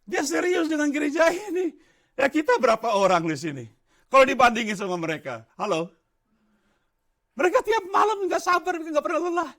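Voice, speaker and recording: High-voiced animated older male pastor. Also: normal speed. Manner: animated preaching, quizzing the congregation; slips English phrases into his talk. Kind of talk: sermon. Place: church.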